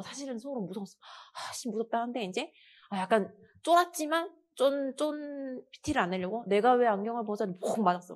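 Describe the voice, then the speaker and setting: A lively woman with a Busan accent teaches a counselling class in a chatty, storytelling way. Her voice sits at a middle pitch for a woman, and she acts out the people in her stories as she goes. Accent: Busan Gyeongsang. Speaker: lecturer. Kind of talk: casual lecture with personal stories.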